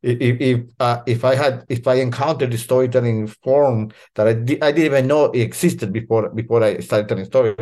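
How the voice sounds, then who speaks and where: A man talks openly in a relaxed conversation. He stumbles and repeats words as he gathers his thoughts. His voice sits at a middling pitch. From Latin America. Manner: halting, repeats words, earnest. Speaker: storyteller guest. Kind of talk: casual conversation.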